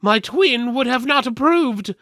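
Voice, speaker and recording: A man's voice: very high-pitched, lively intonation, a little slow, bright, forceful tone, dry recording, studio quality, voice pushed up, heavily acted. A man voicing a solemn, pious, grieving twin in a fantasy story, declaiming plaintively. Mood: anguished piety.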